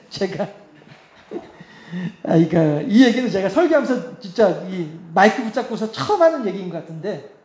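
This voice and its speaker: Male pastor, chatty preacher with frequent laughs and rhetorical questions, voice pitched very high, recorded in a roomy sanctuary. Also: sing-song, normal speed, a little mellow. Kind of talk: sermon. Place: church sanctuary. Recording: echoey church hall.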